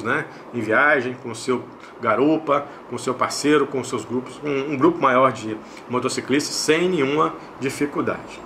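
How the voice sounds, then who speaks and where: This casual product review is hosted by a man whose mid-range voice has a fairly bright tone and a Brazilian Portuguese accent. Slight background noise accompanies his step-by-step unboxing narration, full of repetition and little tag questions checking in.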